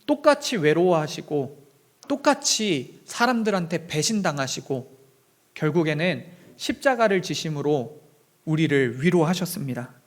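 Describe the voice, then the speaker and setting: High-voiced earnest young male preacher. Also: sing-song, normal speed. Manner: earnest storytelling sermon. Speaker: pastor. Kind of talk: sermon. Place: church sanctuary.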